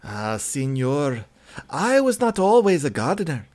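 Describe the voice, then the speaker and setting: A man's voice: fairly high pitch, very animated, measured pace, darkish tone. A man voicing a kindly white-haired old gardener, once a nobleman, who speaks in a courteous, soothing way.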